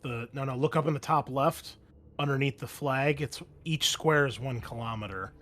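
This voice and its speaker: A man's voice: mid-range voice, moderate pace, a bit bright. A man working as game master, casually narrating and explaining a tabletop game in an informal way.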